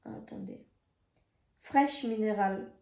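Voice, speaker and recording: A woman with a hoarse voice giving a casual beauty product review, talking in a halting way full of hesitations. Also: medium pitch, a little mellow. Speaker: beauty vlogger. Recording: echoey room.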